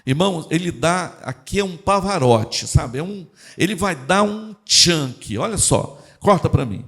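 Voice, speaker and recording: A man's voice: a little high, lively intonation, unhurried, a bit bright. A man preaching a sermon in church, talking directly to the congregation. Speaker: pastor.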